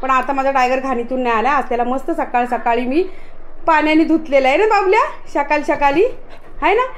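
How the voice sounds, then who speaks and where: Female vlogger, high bright voice, easy casual chat. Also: a little fast. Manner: coaxing, calls out to pets and kids. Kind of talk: casual vlog chat with her dog.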